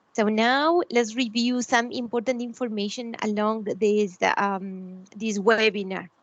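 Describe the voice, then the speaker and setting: A woman speaks in a Uruguayan accent. Her pitch is fairly high and her pace very slow. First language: Spanish. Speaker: webinar host. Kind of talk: webinar presentation. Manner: halting, with fillers.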